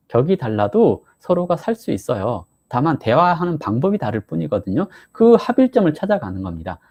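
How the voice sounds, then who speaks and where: Man, live-stream teacher; slightly husky, very animated intonation, plays out little dialogues. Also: mid-range voice. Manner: explanatory, acts out couples' quarrels in quoted voices. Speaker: saju fortune-telling teacher.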